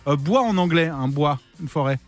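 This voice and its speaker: A man's voice: on the high side, animated, normal speed, soft background music. A man in his thirties hosting a radio game show, playful and chatty, laughing easily with callers. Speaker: radio host.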